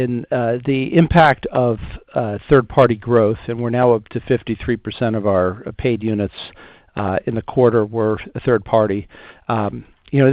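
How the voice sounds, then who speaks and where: A man answering analysts on an earnings call as a finance executive, in a halting, measured way. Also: mid-range voice, no echo. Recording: muffled conference call audio.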